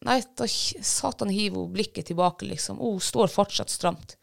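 Gravelly-voiced woman telling a story. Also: mid-range voice. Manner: lively retelling with many fillers and restarts. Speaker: guest, bird dog handler. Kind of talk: casual storytelling.

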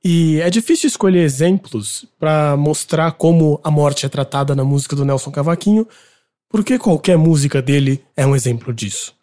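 A man's voice: a little high, moderate pace, warm tone. A man with a Brazilian Portuguese accent, hosting a casual podcast segment and giving chatty, opinionated music commentary.

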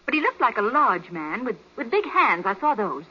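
A woman's voice: a little high, big pitch swings, normal speed, slightly rough. A woman playing an anxious, earnest wife in a 1940s radio crime drama. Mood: shaken. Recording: dull vintage 1940s radio recording.

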